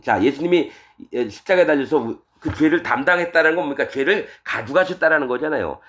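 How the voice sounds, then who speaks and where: A middle-aged male pastor delivers a verse-by-verse sermon in an animated way. His voice sits fairly high and swings widely in pitch as he acts out masters and servants in quoted voices. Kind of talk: sermon, verse-by-verse Bible exposition.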